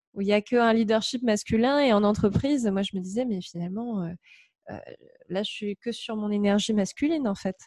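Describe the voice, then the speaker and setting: At a moderate pace, a somewhat breathy woman speaks in a fairly high pitch with ordinary variation, the sound dry and close with no echo. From France, Paris suburbs. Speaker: podcast host and coach. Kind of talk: interview.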